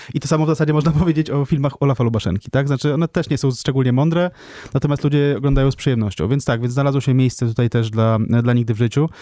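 Talking at a very fast pace, a man has a dark, mellow tone at medium pitch, with ordinary pitch variation and very even loudness. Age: 30s. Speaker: podcaster and book author. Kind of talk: casual interview. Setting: studio. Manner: repeats words when starting phrases.

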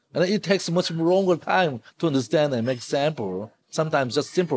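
Speaking at a moderate pace with a Korean accent, a man uses ordinary pitch variation. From South Korea. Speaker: bag factory worker. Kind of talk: casual chat. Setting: restaurant.

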